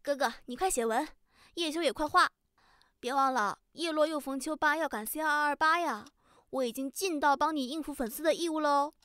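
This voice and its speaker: A woman's voice: high-pitched, fairly quick, a bit bright, no room sound, clean studio sound. A woman playing a teasing, playful young little sister in an audio drama. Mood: playful, bossy. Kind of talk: fan audio drama acting.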